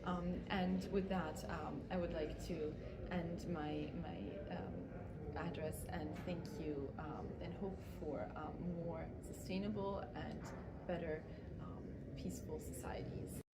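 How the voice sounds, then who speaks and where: A woman's voice: sits low, steady tone, slow pace. Woman from Serbia with hesitant speech. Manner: hesitant, many ums and uhs. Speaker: award recipient, mediation institute director. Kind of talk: recorded thank-you video message. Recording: roomy video message with loud background noise.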